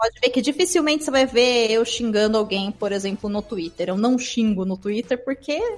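With music in the background, a woman at a fairly high pitch for a woman talks at a moderate pace with lively intonation and hardly any pauses. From interior of São Paulo state, Brazil (São Carlos). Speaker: podcaster and podcast producer. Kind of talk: casual interview conversation.

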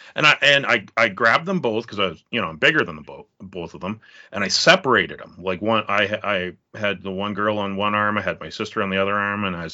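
Speaking at a very fast pace, a man with a fairly low pitch and a Western Canadian accent shows ordinary pitch variation and big swings in loudness. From Canada, Alberta. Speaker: podcaster and blogger. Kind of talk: casual chat. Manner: halting.

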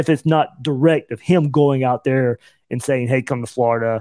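A man's fairly quick speech at medium pitch with ordinary pitch variation, dry and close with no echo, on a very clean recording with a silent background. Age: 40s. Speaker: sports podcast host. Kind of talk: live podcast commentary. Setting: live stream. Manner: animated.

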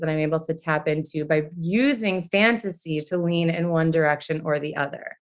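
Against a quiet background, a woman with an ordinary speaking voice talks at a moderate pace and fairly low pitch, using ordinary pitch variation. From Buffalo, New York. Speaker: sex and intimacy coach. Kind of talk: casual interview chat.

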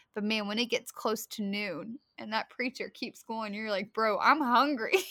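Speaking in an Appalachian accent, a woman has a fairly high pitch and a bright, sharp tone. Her pace is moderate, her pitch variation ordinary, and the sound is dry and close with no echo. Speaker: podcast co-host, Bible teacher. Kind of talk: Bible teaching chat.

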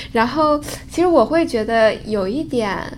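With audible room echo and noticeable background noise, a woman speaks at a very slow pace in a fairly high pitch. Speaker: graduate student. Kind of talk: casual chat.

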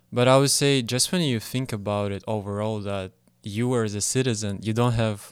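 A plain, everyday voice: a man at medium pitch, moderate pace and ordinary pitch variation, on a very clean recording with a silent background. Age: young (19). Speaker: university student. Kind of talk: casual chat.

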